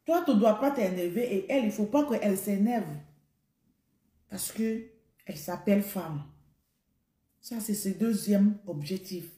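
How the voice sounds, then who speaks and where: A woman's voice: medium pitch, measured pace, long pauses, mellow. A woman giving a humorous advice monologue to the camera, emphatic and repeating her points as she speaks directly to the listener. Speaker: vlogger. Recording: roomy echo.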